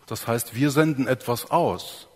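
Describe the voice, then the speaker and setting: A man's voice: medium pitch, a little slow, a little mellow, slightly rough. Man preaching in a reverberant hall. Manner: explains step by step, acts out examples, asks the audience. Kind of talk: sermon.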